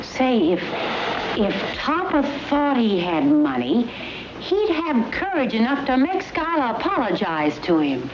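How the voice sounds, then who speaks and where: A woman's voice: fairly high pitch, sing-song, unhurried, background noise. An actress playing a playful, meddling, spirited woman in a 1950s sitcom. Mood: scheming, eager. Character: playful, meddling, spirited wife egging on a timid man. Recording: muffled, roomy soundtrack with audience.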